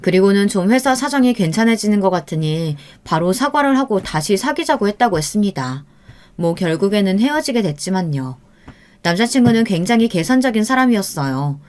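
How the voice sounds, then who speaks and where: A woman narrating a true-life story in the first person, in a steady, earnest scripted reading. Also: mid-range voice, a little fast.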